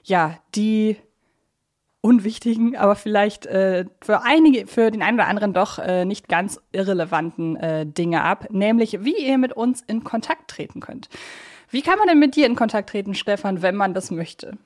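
A woman's voice: mid-range voice, normal speed. A young adult woman with a German accent hosting a casual podcast, explaining things in wordy, self-correcting loops. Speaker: podcast host.

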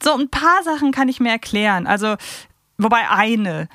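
A woman's voice: on the high side, lively intonation, normal speed, a bit bright, no echo, studio quality. A woman co-hosting a podcast in casual, humorous conversation. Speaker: podcast co-host.

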